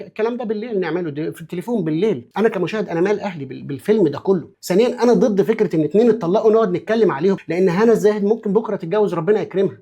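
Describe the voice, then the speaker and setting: Rapid-fire sarcastic Egyptian man. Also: sits high, a little mellow. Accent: Egyptian Arabic. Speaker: commentator. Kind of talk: comic commentary vlog.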